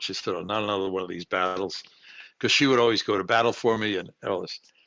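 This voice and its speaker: On a very clean recording with a silent background, a man talks in an unremarkable speaking voice, his pitch fairly low with ordinary pitch variation. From New York City, Greek immigrant family. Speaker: professor. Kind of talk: interview.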